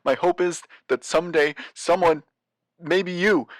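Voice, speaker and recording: An actor playing a weary, haunted postmaster of a doomed city in an audio drama, speaking gravely and haltingly as he searches for words. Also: fairly high pitch, steady tone, no room sound, close to an everyday voice. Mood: searching, urgent. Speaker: guest voice actor. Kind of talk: audio drama monologue, recorded message.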